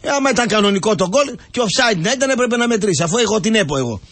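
A man's voice: high-pitched, animated, fairly bright tone. A man who is a football pundit, ranting and mocking in a heated comic sports talk show. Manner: ranting, mocking, keeps cutting in.

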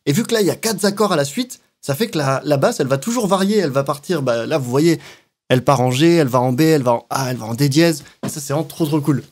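Man, producer, slightly high voice, husky, casual beatmaking walkthrough, mouths rhythms aloud. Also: fast talker. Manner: relaxed slangy talk, hums and mouths sounds. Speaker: music producer. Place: home studio.

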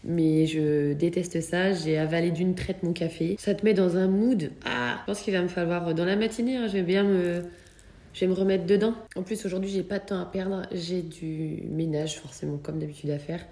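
A woman's voice: fairly low pitch, steady tone, moderate pace, warm tone. A woman in her thirties, a home cleaning vlogger, chatting casually and walking through her chores step by step. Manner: chatty, self-motivating, explains step by step. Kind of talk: casual vlog narration. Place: large modern home interior. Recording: echoey room, faint background music.

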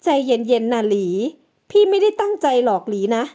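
A woman's voice: on the high side, sing-song, moderate pace, warm tone. A woman reading the part of a scheming older woman in an audio novel, coaxing and pleading.

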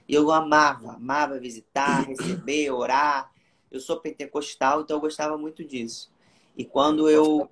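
Young Carioca man, fairly high voice, earnest testimony storyteller. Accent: Carioca Brazilian Portuguese. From Rio de Janeiro, Brazil. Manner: earnest storytelling, reenacting dialogue. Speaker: guest giving testimony. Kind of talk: emotional personal testimony.

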